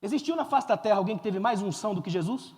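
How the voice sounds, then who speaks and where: A man preaching a fervent sermon as a pastor, swelling to loud emphasis and quizzing the crowd. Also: sits high, animated, fast talker, a little hiss or hum. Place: church conference hall. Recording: long hall reverb.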